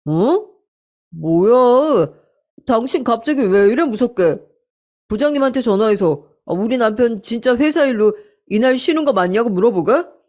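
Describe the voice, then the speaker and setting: A woman's voice: on the high side, lively intonation, normal speed, darkish tone, pitched above the performer's own voice, close to an everyday voice. Woman voicing a defensive young husband in a radio story; blustering, irritable. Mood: defensive angry. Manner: defensive, irritable, brushing off accusations.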